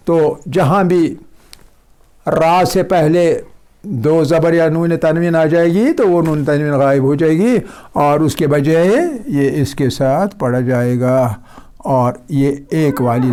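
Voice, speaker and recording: A man teaching a class on Quran recitation, patiently repeating example words slowly and checking that students follow. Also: fairly high pitch, darkish tone. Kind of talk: classroom lesson.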